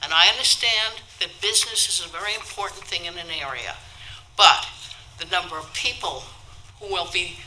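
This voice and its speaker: Noticeable background noise behind a woman of fairly low pitch at a moderate pace. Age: 80s+. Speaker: resident. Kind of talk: public comment. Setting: public meeting. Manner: loud. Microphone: no microphone.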